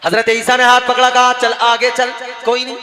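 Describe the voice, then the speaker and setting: A man's voice: extremely high pitch, monotone, normal speed, pushed and bright. A man preaching to a gathering, telling a religious story with dramatic voiced dialogue and humorous asides. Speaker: Islamic preacher. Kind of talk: sermon storytelling. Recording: live crowd at a religious gathering. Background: crowd.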